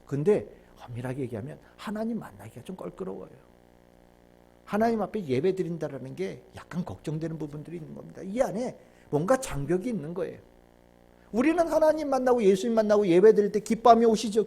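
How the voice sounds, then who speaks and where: Male pastor, fairly high voice, lively sermon delivery that acts out small scenes. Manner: animated storytelling, acts out little scenes and quotes. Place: church sanctuary.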